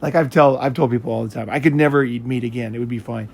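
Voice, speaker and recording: A man's voice: medium pitch, steady tone, fast, creaky, breathy edge. An American man chatting casually in a rambling, blunt way, with frequent swearing. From United States. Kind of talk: casual chat.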